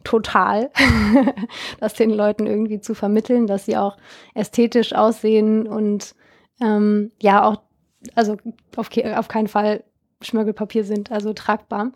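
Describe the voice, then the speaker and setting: A woman's voice: mid-range voice, level tone, a little slow. A young woman from Germany, founder of a jewelry company, answering interview questions in a chatty way with many fillers and restarts. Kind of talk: casual interview.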